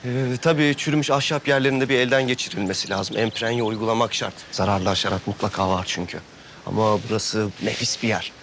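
A gentle, rambling young architect. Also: male voice, on the low side, fast, slight background noise. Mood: enthusiastic. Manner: soft-spoken, rambles with enthusiasm, self-conscious. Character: gentle young male architect-turned-rose-grower, talkative. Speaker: actor in a TV drama. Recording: loud music under the voice. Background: loud guitar music.

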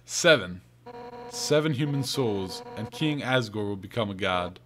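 A man's voice: on the low side, lively intonation, slow, noisy background, pitched below the performer's own voice. A man voicing a fierce, hot-tempered female monster warrior in a video game, grand and accusing in delivery. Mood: solemn, ominous. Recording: game music behind the voice.

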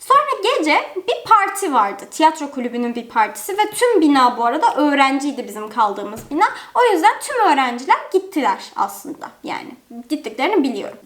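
Animated young woman telling a story. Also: high voice. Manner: animated, expressive, chatty with many fillers. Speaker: storytime vlogger. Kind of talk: casual storytelling. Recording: roomy echo.

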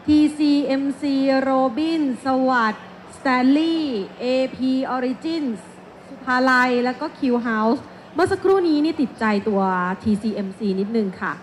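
A woman's voice: high voice, takes it slowly. A woman moderating a live seminar on stage with a handheld mic, asking polite, conversational questions. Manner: polite, inquisitive. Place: stage at a shopping mall expo, indoors. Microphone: handheld microphone. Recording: noisy live event sound.

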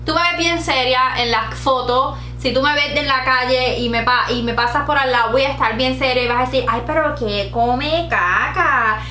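A woman's voice: high-pitched, bright, forceful tone, roomy sound. A woman in her late twenties with a Puerto Rican Spanish accent, chatting giggly to camera as a beauty vlogger, dropping in English words. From Puerto Rico. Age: late 20s. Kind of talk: casual chat to camera. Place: bright home room with shelves. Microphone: camera at desk distance.

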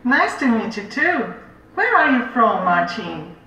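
A woman plays a friendly young woman in a scripted textbook dialogue. Her voice is bright and lively, with sing-song questions. It is heard from far off, very echoey and dull. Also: on the high side, a little slow, a little hiss or hum, exaggerated voice.

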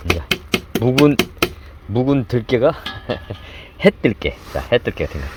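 Male cooking host, lively running commentary, heavy rain noise behind. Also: mid-range voice, unhurried. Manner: repetitive running commentary while working, chanting instructions. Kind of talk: hands-on cooking demonstration. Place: indoors with downpour outside.

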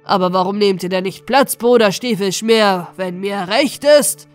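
A woman voicing a boisterous, commanding male robber captain in a storybook reading, hearty and loud. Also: mid-range voice, measured pace, soft background music, natural voice. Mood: jovial, commanding. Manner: loud, jovial, commanding exclamations. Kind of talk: storybook character voice in an audiobook.

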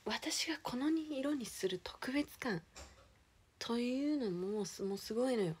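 A young woman, chatting casually as a streamer, ranting with animated indignation and dropping into whispered asides. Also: on the high side, a little slow, slight background noise. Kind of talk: casual chat.

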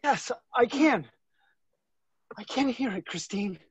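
An actor playing a devoted, urgent young suitor, earnest and pleading, in a staged reading. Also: male voice, extremely high pitch, expressive, takes it slowly, husky, no room sound, highs cut off, full character voice. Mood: tender, urgent.

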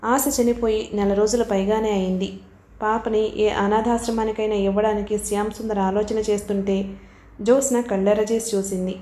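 A woman narrating a novel as an audiobook, in a calm, even storytelling manner that softens for sad passages. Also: medium pitch, moderate pace, echoey room. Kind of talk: reading a novel aloud.

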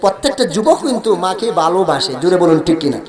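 A man's voice: high voice, very animated, fast talker. A man with a Bangladeshi Bengali accent preaching a sung waz sermon, chanting and calling on the crowd to answer. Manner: chanting, calls the crowd to respond.

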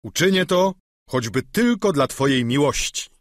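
A man's voice: on the high side, animated, normal speed, dry recording, studio quality, voice pushed up, close to an everyday voice. A man voicing a formal, grandiose aging nobleman knight in an audiobook. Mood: lofty. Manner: formal, lofty. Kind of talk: audiobook character reading.

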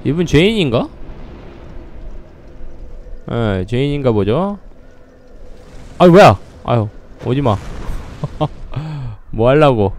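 Slow-talking man joking over gameplay. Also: medium pitch, very animated, darkish tone. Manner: playful, laughing, sudden startled exclamations. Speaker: gameplay commentator. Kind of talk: casual game commentary.

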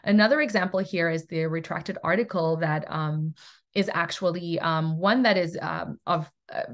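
A middle-aged South African woman with a lowish voice and moderate pace records a lecture from home over webcam. She presents for a university research toolkit, earnest and thoughtful, with many fillers and restarts.

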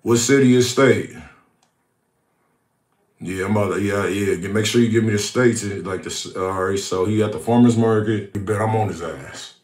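A man in his thirties with a fairly low voice hosts a prank call show. He talks in loose slang, often stumbling and repeating phrases. He is close to a phone mic in a small room. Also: darkish tone, roomy sound. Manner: halting, repetitive, street-slang talk. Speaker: prank caller, show host.

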